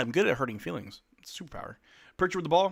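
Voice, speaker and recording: An animated tone comes through in a very clean recording with a silent background. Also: man. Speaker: sports streamer. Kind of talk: live play-by-play commentary. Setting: live stream. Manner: casual, animated.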